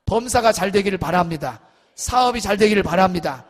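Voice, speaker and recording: High-pitched animated Korean pastor. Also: male voice, brisk. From South Korea. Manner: animated storyteller, acts out dialogue, shouts at peaks. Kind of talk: seminar lecture to church teachers.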